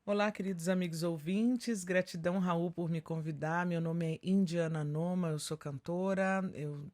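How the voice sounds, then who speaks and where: A woman's voice: fairly low pitch, fairly even intonation, moderate pace, darkish tone. A middle-aged woman from Central America, partly raised in Germany, telling her personal story to radio listeners as a guest singer.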